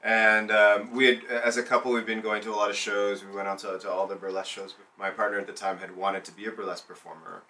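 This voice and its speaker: A man's voice: on the low side, level tone, quick pace, hardly any pauses, bright, forceful tone, far from the mic, a little hiss or hum. A man born in Zambia who works as a burlesque and cabaret performer, speaking reflectively in a documentary interview and often restarting his sentences as he searches for words.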